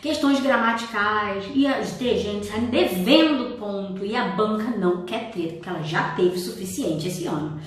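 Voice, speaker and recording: A woman's voice: mid-range voice, moderate pace, hardly any pauses. A woman teaching a writing class on a casual livestream, chatty, with exasperated asides and mock quotes of her students. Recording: echoey room, distant from the mic.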